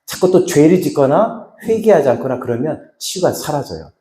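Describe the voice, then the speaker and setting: A middle-aged man from Chungcheong giving a dramatic, emotional testimony sermon as a healing minister, going from loud to hushed. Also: on the high side, sing-song, moderate pace. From Chungcheong, Korea. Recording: echoey hall.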